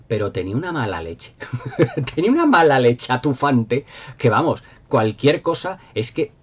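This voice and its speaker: Middle-aged guy with a spain spanish accent, lowish husky voice, rambles on excitedly and nostalgic, kinda muffled lo-fi audio. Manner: enthusiastic, effusive, rambling. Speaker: video host. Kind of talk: casual nostalgic commentary.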